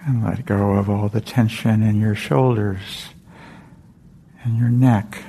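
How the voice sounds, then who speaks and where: A man leading a guided meditation in a meditation hall, speaking slowly and softly with long pauses. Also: on the low side, steady tone, a little hiss or hum. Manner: slow, soft, with long pauses. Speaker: meditation teacher.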